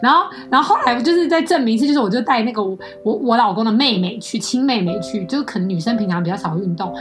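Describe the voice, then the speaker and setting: A woman's voice: a little high, animated, fast, over music. A young woman with a Taiwanese Mandarin accent, telling long rambling stories in a casual chat, with many fillers and restarts.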